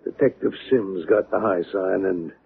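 Gravelly, skeptical police sergeant. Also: male voice, deep voice, normal speed, exaggerated voice. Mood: wry. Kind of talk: radio drama acting. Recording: muffled, noisy old radio recording.

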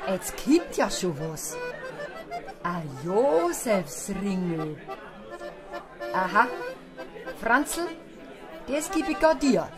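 An actress playing a canny, foreboding village woman in a Bavarian dialect audiobook drama, speaking deliberately and in proverbs. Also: mid-range voice. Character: slow-spoken village woman handing out charms, foreboding, canny.

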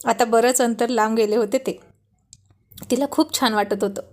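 A woman narrating a serialized love story in an expressive storytelling manner. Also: on the high side, moderate pace.

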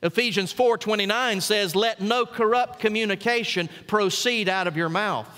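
A middle-aged man, a senior pastor, preaching a sermon with folksy stories and emphatic pauses on key words. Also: sits high, pushed and bright, big-room sound. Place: church sanctuary.

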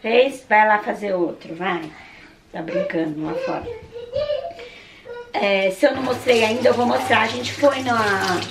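A young Brazilian woman vlogger with a hoarse, husky voice, chatting casually to her viewers at home. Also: fairly high pitch, background noise. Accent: Brazilian Portuguese. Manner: chatty, keeps addressing viewers. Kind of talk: casual chat to camera. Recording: roomy, distant camera mic.

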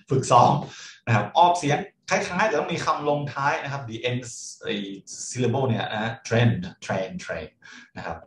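A man lecturing a class on English, explaining patiently and adding frequent polite particles. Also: medium pitch. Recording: echoey classroom.

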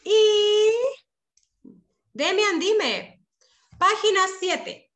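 A Chilean primary school teacher teaches young children in an online class over a video call, patient and affectionate. Her voice is very high and fairly bright, with lively intonation and a very slow pace, carrying a Chilean Spanish accent.

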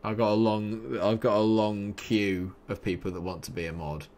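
A young man streaming a football management game, talking through his nerves, yelling at the match and then muttering to himself. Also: fairly low pitch, flat delivery, normal speed. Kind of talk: live reactions while playing a football management game.

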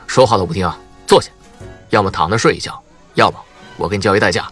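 A man voicing a bossy, gruffly caring police captain who nags bluntly in an audiobook. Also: deep voice, quick pace, a bit bright, soft background music. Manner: nagging, blunt, exasperated.

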